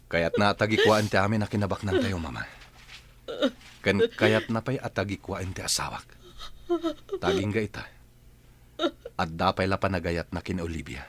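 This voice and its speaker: An actor playing a grown son who gravely reports bad news to his mother. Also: low voice, normal speed, long pauses, fairly bright tone.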